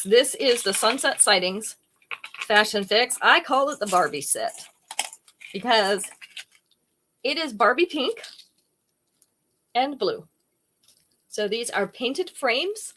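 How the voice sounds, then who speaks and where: A chatty woman with a slightly high voice hosts a live jewelry sale. She talks in a relaxed, conversational way, describing each piece and greeting viewers by name. Her delivery is friendly and unhurried. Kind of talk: casual live-stream sales chat.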